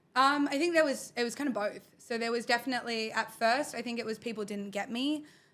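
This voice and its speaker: A woman speaks loudly at a very fast pace in a high pitch with an Australian accent, hardly pausing, on a very clean recording with a silent background. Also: ordinary pitch variation. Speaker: content creator. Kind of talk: casual interview chat. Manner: animated.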